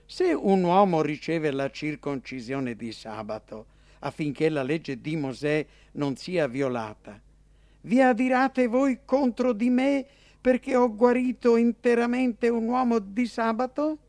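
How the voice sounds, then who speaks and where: A man's voice: sits high, a little mellow, dry recording, voice pushed up. A fervent male teacher speaks in a raised, ringing voice, each phrase drawn out and stressed, as a man reads him aloud. The sound is close and completely dry. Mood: impassioned. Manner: emphatic, declaiming, slow and ringing. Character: male preacher-teacher, earnest and impassioned.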